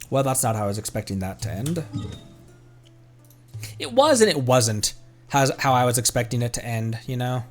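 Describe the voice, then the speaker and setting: A young man on a live stream with a middling, everyday pitch, his voice a bit shredded and pinched upward by a tight throat. He circles his thoughts with plenty of ums and restarts, and faint game music sits behind him. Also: big pitch swings, measured pace, pauses often. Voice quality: tight throat, voice pushed into a higher register. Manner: rambling, with many fillers and self-corrections. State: strained, slightly shredded voice. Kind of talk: casual live gameplay commentary.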